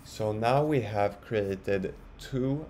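A man presenting a casual software walkthrough, explaining step by step in a halting way. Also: lowish voice. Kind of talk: casual screen-share walkthrough. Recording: clearly audible background noise.

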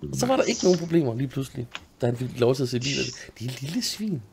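A man's voice: mid-range voice, sing-song, vocal fry, crowd noise. A young man from Denmark, hosting a gaming video, telling a home story in casual chat, laughing often and swearing freely.

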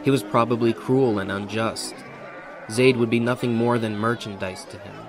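A man narrating a historical audio drama in a measured, scripted way. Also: mid-range voice, steady tone, a crowd in the background, background noise.

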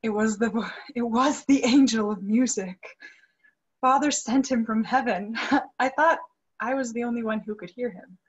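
A woman's voice: fairly high pitch, normal speed, slightly rough, highs cut off. A young woman acting an earnest, grieving young soprano devoted to her father in a dramatic play reading. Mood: fervent. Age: young adult. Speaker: actress in a virtual staged reading. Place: indoor room, video call. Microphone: video call microphone.

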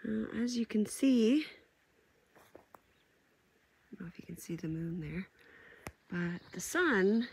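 Middle-aged woman, stuffed up, low and gravelly, rambling camp vlog into an arm's-length camera outdoors. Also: rough recording. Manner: chatty, relaxed, lots of ums and uhs. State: stuffed-up nose. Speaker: solo camping vlogger. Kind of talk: casual vlog narration. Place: outdoors at a lakeside campsite and in a tent.

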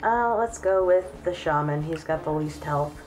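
A woman's voice: deep voice, normal speed, darkish tone, poor audio. A woman giving casual, occasionally sweary commentary as she plays a video game. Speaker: video game let's player. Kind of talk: casual gameplay commentary chat. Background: video game music.

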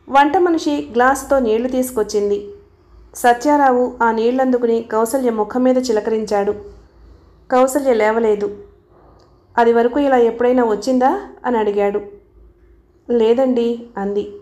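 A woman's voice: a little high, a little mellow. A woman narrating a novel as an audiobook, reading the characters' dialogue within the story.

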